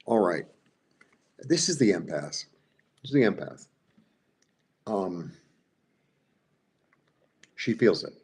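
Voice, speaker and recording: Low husky man with Brooklyn Jewish accent. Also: very animated, takes it slowly, pauses often, a little mellow. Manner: rambling, repeats himself, many fillers; talks to viewers directly, asks "right?". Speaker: tarot reader. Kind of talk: live-streamed tarot reading.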